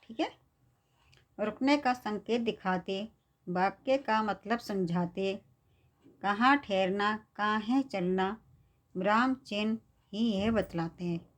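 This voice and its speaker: Slow-spoken woman teacher. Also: medium pitch. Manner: patient, repeats "theek hai" to check understanding. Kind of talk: classroom lesson explanation.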